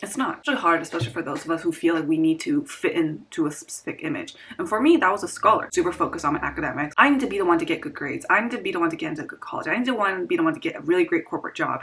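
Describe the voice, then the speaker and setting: A woman's voice: fairly low pitch, lively intonation, rapid-fire, few pauses, fairly bright tone, a little hiss or hum, poor audio. A woman in her twenties talking earnestly and reflectively in a personal vlog, repeating phrases for emphasis. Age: 20s. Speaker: vlogger.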